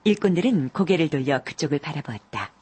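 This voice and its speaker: A woman narrating a classic story audiobook in a measured, calm way, with a husky voice. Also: sits low.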